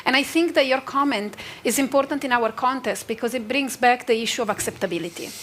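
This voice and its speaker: A woman's voice: on the high side, fast talker, fairly bright tone, slight background noise. A woman from Italy, speaking earnestly and emphatically as a panelist in a discussion. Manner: earnest, emphatic, repeats phrases for stress.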